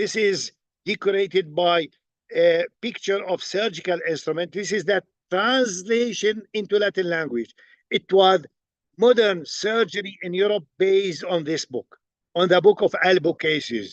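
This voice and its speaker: A man with a high pitch speaks in an Arabic accent, at a moderate pace with ordinary pitch variation. The sound is dry and close, with no echo. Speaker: professor. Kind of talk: lecture.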